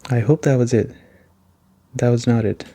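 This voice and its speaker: Male game reviewer for relaxed ASMR commentary: soft, dark-toned, gentle and conversational. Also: mid-range voice. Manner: soft-spoken, gentle and unhurried. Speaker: gaming reviewer and video host.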